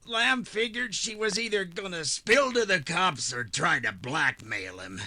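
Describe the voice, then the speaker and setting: High, sharp, panicky cornered killer. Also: male voice, expressive, unhurried, full character voice. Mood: broken, confessing. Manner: stammering, breathlessly pleading, melodramatic. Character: cornered male hired killer, cowardly, panicky, whining. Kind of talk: 1940s radio drama acting.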